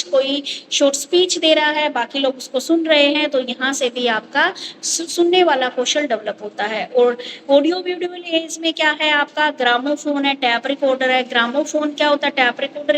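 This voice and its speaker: A woman with a high voice teaches her class, walking through each point and asking herself little rhetorical questions as she goes. Her voice hangs in a long reverb, as if spoken in a bare hall. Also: noisy background. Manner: explanatory, repeats rhetorical "kya hai" questions. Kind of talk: online class lecture.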